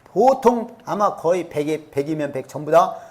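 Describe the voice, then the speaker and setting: Animated male pastor preaching. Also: on the high side, moderate pace. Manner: asks the congregation rhetorical questions. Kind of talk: sermon. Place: church sanctuary.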